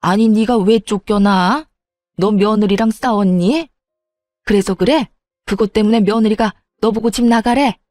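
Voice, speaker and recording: A woman's voice: mid-range voice, a little slow, darkish tone, no room sound, soft background music, lightly acted. A woman voicing a selfish older mother-in-law who dismisses and scolds her son in a storybook reading. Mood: dismissive.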